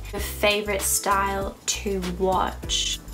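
Clear music plays in the background. Over it, a woman speaks with an Australian accent. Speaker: new vlogger. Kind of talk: casual talk to camera. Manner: upbeat, bubbly. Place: home room. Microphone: phone near.

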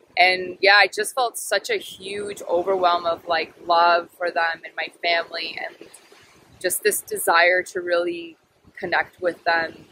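A woman's fairly low, monotone voice with flat intonation, at a fairly slow pace, dry with no echo over light background noise. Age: 30s. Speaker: vlogger. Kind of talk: personal vlog monologue. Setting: outdoors on a beach. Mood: warm, reflective. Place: beach. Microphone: phone near.

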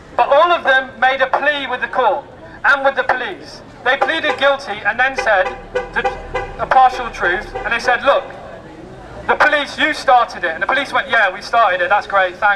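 Music plays in the background as a man with a British accent speaks in a raised, projected voice. His pitch is extremely high and his pace moderate. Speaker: protest speaker or activist. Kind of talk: protest speech, rally address with angry political argument. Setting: outdoors rally outside court. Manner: impassioned, forceful, sarcastic, rhetorical, repeating phrases for emphasis. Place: street. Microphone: camera far.

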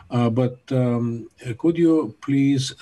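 Against a quiet background, a man speaks in a dark, mellow tone that is somewhat breathy. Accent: Russian. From Russia. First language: Russian. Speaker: interviewer, religion lecturer. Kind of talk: formal interview. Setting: video call. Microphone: earbuds.

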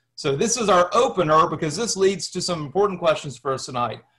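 A man speaks with a Tennessee accent and lively intonation. The background is quiet. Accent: Southern US (Tennessee). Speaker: history lecturer. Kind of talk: lecture. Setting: live audience with Q&A.

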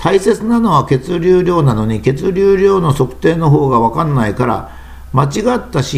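With very wide pitch swings and a fairly high pitch, a man talks at moderate speed amid noticeable background noise. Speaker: commentator, lecturer. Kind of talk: spoken monologue commentary. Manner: frequent filler hesitations (えー).

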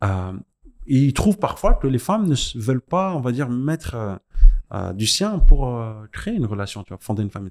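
Over a quiet background, a man at a moderate pace shows very wide pitch swings and big swings in loudness. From France. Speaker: expatriation consultant and YouTuber; YouTuber. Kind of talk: casual interview. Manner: casual, many fillers. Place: cafe. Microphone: studio mic.

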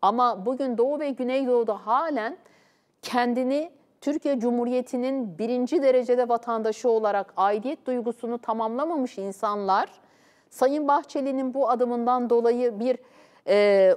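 A woman speaks in a high pitch with lively intonation. Her pace is moderate, and the background is quiet. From Turkey. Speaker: political commentator. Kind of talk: heated debate. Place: studio.

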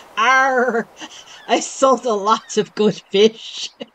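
A female-sounding put-on character voice, fairly high in pitch, at a very slow pace

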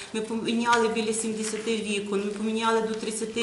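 With audible room echo and light background noise, a woman speaks at a fairly slow pace and a fairly high pitch in a monotone, flat intonation. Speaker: care home director, job candidate. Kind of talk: job interview presentation. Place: meeting room. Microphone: camera far.

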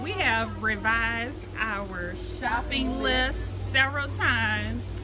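A woman speaks over clear music in the background. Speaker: vlogger. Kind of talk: casual vlog chat. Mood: playful teasing. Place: shop. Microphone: phone near.

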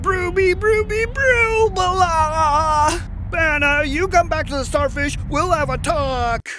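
A cartoonish character voice from a man at an extremely high pitch and a fairly slow pace, under loud background noise. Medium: puppet. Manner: worried, excitable.

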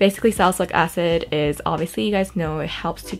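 Against light background noise, a woman speaks in a fairly low pitch with vocal fry. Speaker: beauty YouTuber. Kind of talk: casual talk to camera. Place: home room. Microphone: camera far.

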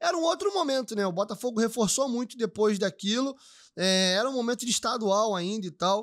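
A man talks loudly at a very fast pace, his pitch extremely high. The background is quiet. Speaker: football podcast host. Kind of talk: live stream chat answering viewer comments. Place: studio. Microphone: studio mic.

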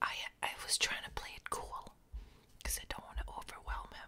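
A woman is whispering. She keeps a moderate pace. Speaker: streamer. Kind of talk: ASMR. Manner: whispered, soft-spoken. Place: home room. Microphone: studio mic.

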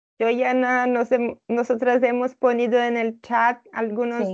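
Speaking with a Portuguese accent, a woman talks at a very slow pace. Her pitch is fairly high, and the background is quiet. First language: Portuguese (speaking Spanish). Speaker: journal editor and epidemiologist; presenter. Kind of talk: lecture; presentation talk. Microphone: video call.

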